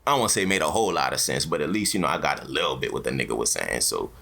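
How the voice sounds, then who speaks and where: Deep-voiced African American man talking casually. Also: lively intonation, racing, vocal fry, sharp tone. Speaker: podcast host. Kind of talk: casual opinionated talk, slang and profanity.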